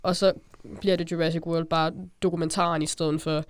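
A teenage woman with a Zealand Danish accent, co-hosting a casual podcast and telling stories in a chatty, animated way. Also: sits low, clear, resonant tone, no echo. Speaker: podcast co-host.

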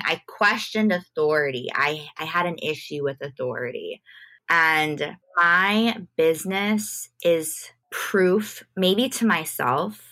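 Low-pitched woman, casual talker. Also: fairly bright tone. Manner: informal, peppered with "like". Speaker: podcast guest, music manager. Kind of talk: casual conversational storytelling.

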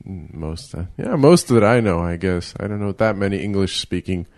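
A man's voice: low-pitched, lively intonation, normal speed, darkish tone. Male podcast host, teasing, laughs often, casual chat.

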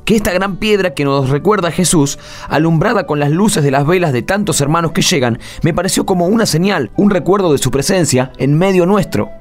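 An Argentine actor playing a thoughtful, conciliatory friend on a pilgrimage, colloquial and reflective, in a radio drama. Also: male voice, a little high, a little fast, lightly acted. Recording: music behind the voice. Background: background music.

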